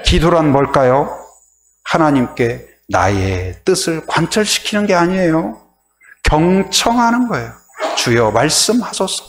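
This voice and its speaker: A man's voice: fairly high pitch, unhurried. A male pastor giving a sermon, telling stories vividly and asking his congregation questions. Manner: lively storytelling, asks the congregation questions. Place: church sanctuary.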